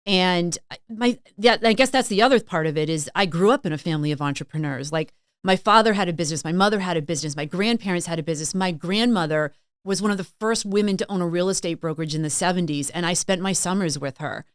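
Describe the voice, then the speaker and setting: A middle-aged woman speaks as a podcast guest, chatty and full of stories. Her voice sits a little low and sounds smooth and clean. The recording is dry and close, with no room echo. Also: quick pace. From Massachusetts and Maine, USA. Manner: chatty, storytelling, frequent "like" and "um". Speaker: podcast guest, sales consultant and author. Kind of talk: casual interview chat.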